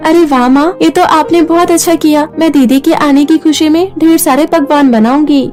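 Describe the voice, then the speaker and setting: A kind, meek young girl from a cartoon story, voiced by a woman. She speaks gently in a high voice and pleads softly. Faint music plays behind her. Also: fairly even intonation, moderate pace, natural voice. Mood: hopeful. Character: kind, meek young stepdaughter, elder sister.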